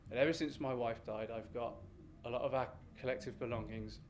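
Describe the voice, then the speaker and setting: A man on stage acts out a frail, elderly British gentleman in a live story, halting and fussy as he pleads anxiously. The recording has clear venue noise behind the voice. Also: mid-range voice, fairly even intonation, natural voice. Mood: halting, sad. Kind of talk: acted quote within live storytelling.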